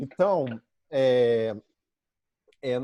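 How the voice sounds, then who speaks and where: The man's voice has a dark, mellow tone. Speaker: webinar moderator, chamber of commerce president. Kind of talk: webinar opening remarks.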